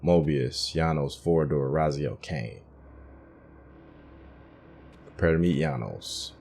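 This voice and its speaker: Very deep-voiced man, casual gaming commentary. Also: takes it slowly, creaky, a little mellow, a little hiss or hum. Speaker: gaming video host.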